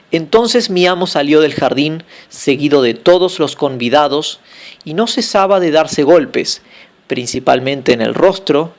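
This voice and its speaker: A man reading a classic tale aloud as an audiobook, phrase by phrase at a steady pace, with small slips. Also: fairly high pitch, creaky. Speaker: audiobook narrator.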